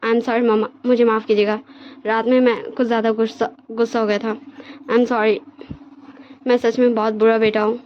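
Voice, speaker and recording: A woman's voice: a little high, flat delivery, a little fast, highs cut off, a little hiss or hum, close to an everyday voice. A woman voicing a proud young male alpha husband in a storybook retelling, who stammers when caught off guard. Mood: apologetic.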